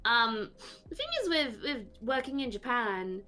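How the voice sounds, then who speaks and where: Guest spot: fairly high woman's voice, rambling and halting, soft music underneath. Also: expressive. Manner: rambling, halting, many fillers. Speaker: VTuber guest. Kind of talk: casual interview chat.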